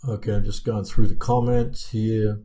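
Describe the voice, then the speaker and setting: A man in his fifties speaks with a New Zealand accent that has gone partly American, in a rather low and mellow voice. He hosts a loose live Q&A from his home office on a webcam, rambling with lots of ums and restarts as he answers viewers. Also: flat delivery, moderate pace. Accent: New Zealand, softened by years in America. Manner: rambling, many fillers and restarts, reads out viewer comments. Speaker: YouTube channel host answering live chat. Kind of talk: live-stream Q&A, casual. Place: home office room with plants and pictures, indoors. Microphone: webcam framing at desk.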